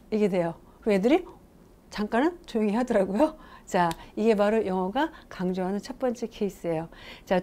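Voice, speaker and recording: A woman's voice: mid-range voice, warm tone. A woman English teacher giving a casual video lesson, chatty and storytelling, asking her viewers questions as she goes.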